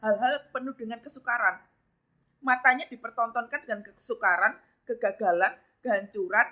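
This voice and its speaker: A woman's voice: high voice, sharp tone. A woman preacher giving a live devotional sermon, emphatic and often addressing her listeners directly. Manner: emphatic, repeatedly addressing listeners as brothers and sisters.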